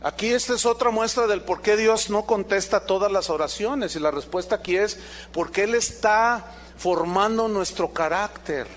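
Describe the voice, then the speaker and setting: A man's voice: sits high, normal speed. A man preaching a sermon as pastor, emphatic and full of rhetorical questions to the congregation.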